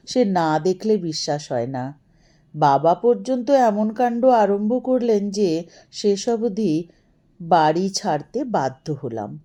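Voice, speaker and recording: A woman with a fairly low voice reads a story aloud at a very unhurried pace. Her delivery is scripted and expressive, with measured, dramatic phrasing. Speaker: story narrator.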